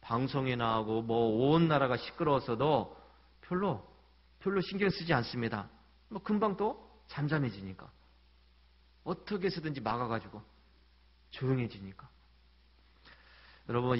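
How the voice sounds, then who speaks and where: A man's voice: medium pitch, expressive, normal speed, pauses often, lo-fi sound. A man preaching a Sunday sermon as a pastor in a church, in a conversational storytelling manner with light humor. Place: church sanctuary.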